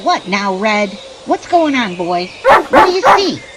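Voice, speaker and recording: A woman's voice: medium pitch, big pitch swings, a little slow, heavy background noise. A woman acting a chatty, rustic backwoods woman who scolds and confides in her dog in an audio drama. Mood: concerned. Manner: rustic, chatty, exasperated folksy talk.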